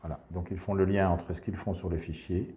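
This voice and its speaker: A man calmly walking teachers through a classroom exercise, explaining step by step with frequent verbal fillers. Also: low voice, a little fast, slight background noise. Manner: calm explanatory, frequent "donc" and "hein". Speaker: teacher presenting a reading method. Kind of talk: instructional screencast walkthrough.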